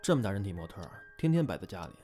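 A man's voice: sits low, big pitch swings, rapid-fire, warm tone, soft background music. A man playing a laid-back, teasing young man in an audio drama, with sardonic banter. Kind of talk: fan audio drama acting.

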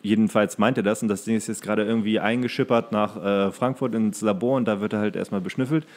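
A man's voice: lowish voice, fairly even intonation, fast talker, a little mellow. A man who co-hosts a podcast, chatting in a rambling, colloquial, joking way. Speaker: podcast co-host. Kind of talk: casual comedic chat.

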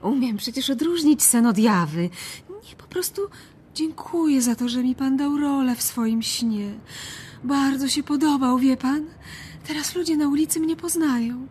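A woman's voice: high voice, normal speed, a little mellow, a little hiss or hum, close to an everyday voice. An actress playing an adoring, starstruck young-hearted female admirer in a radio drama.

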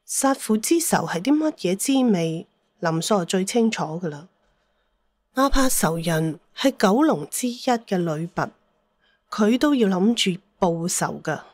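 A woman's voice: medium pitch, animated, measured pace, darkish tone, dry recording. A woman narrating a scripted dramatic story as an audiobook narrator.

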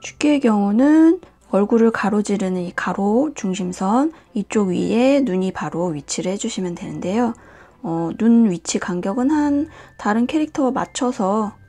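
A woman hosting a nail art and drawing tutorial, talking calmly step by step and often dropping to a whisper. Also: medium pitch. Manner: calm, slow, often drops to a whisper. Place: indoors at a desk, hands on camera.

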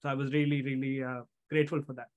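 A man's voice: mid-range voice, little pitch movement, quick pace, dull audio. A man in his thirties with an Indian accent answering as a guest coach in a conversational interview, repeating words for emphasis. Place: home room on a video call. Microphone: headset.

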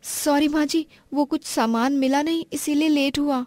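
Casting: woman for a meek young daughter-in-law in animated drama, high, deferential voice, dry recording. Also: normal speed, dry recording, close to an everyday voice. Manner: deferential, apologetic. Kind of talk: animated family story acting.

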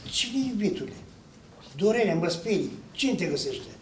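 A man's voice: a little high, darkish tone, slight background noise, lightly acted. A man doing a fretful, anxious wife. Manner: worried, pleading. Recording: echoey hall from far off.

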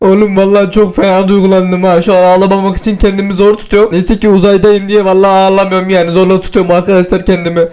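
A young man giving playful, excitable commentary while playing a game as a gaming YouTuber. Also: sits high, quick pace, few pauses, clear, resonant tone, soft background music. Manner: excitable, joking, swings to loud shouts.

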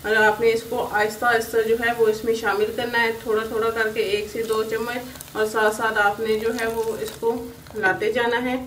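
Pakistani woman, cooking host, fairly high flat voice, echoey kitchen far from the mic. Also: moderate pace. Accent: Urdu-speaking Pakistani. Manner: homely, repeats filler "jo hai" constantly. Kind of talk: step-by-step recipe narration. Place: home kitchen. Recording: echoey, distant kitchen recording with faint hiss.

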